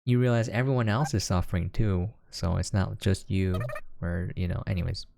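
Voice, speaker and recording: A man's voice: sits low, fairly even intonation, normal speed, vocal fry. A man giving casual, musing gameplay commentary and reading visual novel text aloud. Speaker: game preview commentator.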